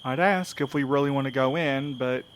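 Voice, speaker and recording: Skeptical male courier played by a man, audio drama. Articulate, guarded, mid-pitched, light night-insect ambience. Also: normal speed, slight background noise, close to an everyday voice, low-quality recording. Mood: uneasy. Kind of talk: scripted audio drama acting. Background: crickets and night insects.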